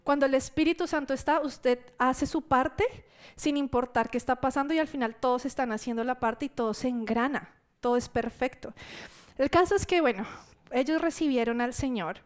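A woman preacher tells a testimony to her church, her voice smooth and resonant and set a little high. She tells the story in a lively way and acts out what people said. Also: moderate pace.

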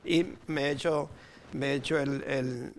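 A man's voice: medium pitch, fairly even intonation, a little slow. Older dominican guy preaching in a church, playful and chuckly, bit of background hum. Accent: Dominican Spanish. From Dominican Republic. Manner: playful, chuckles often, mixes in English words. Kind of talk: informal sermon with personal stories.

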